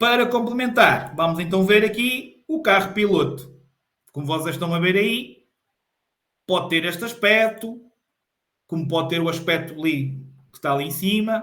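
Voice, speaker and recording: A man's high, bright, sharp voice in a European Portuguese accent, lively in intonation, at a moderate pace with long, frequent pauses and audible room echo. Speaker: driving instructor. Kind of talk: online lesson. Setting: live stream.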